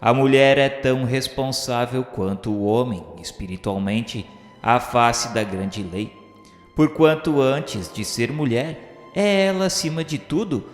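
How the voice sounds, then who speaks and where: With music playing behind him, a man narrates a radio novel in formal, literary phrasing. His mid-pitched voice is solemn and declamatory, carried by a long hall reverb. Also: lively intonation, unhurried.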